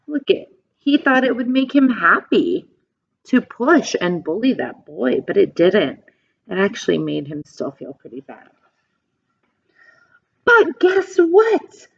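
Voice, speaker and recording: A woman reads aloud to young children like a teacher, taking her time over simple phrases. Her pitch moves up and down in a lively, expressive way as she speaks to her listeners. The recording is a little dull and lo-fi. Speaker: teacher reading a picture book aloud. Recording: dull, lo-fi sound.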